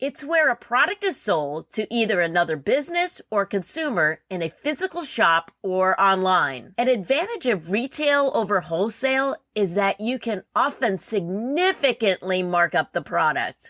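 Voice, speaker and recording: Pitched fairly high, a woman with a slight East Coast US accent speaks at a moderate pace with hardly any pauses and very wide pitch swings, in a dry, close sound with no echo. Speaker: podcast host and money coach. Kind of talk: scripted podcast monologue. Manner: casual, conversational.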